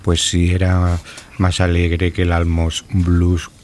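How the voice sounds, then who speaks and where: A man hosting a music radio show in a relaxed, joking chat style. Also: low-pitched, slow pace.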